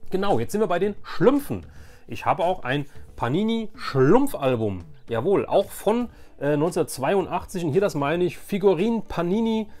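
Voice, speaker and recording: A man's voice: high voice, big pitch swings, normal speed, a little mellow, soft background music. A man in his forties hosting a casual, nostalgic show-and-tell, chatty and repeating words for emphasis. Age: 40s. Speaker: YouTube host.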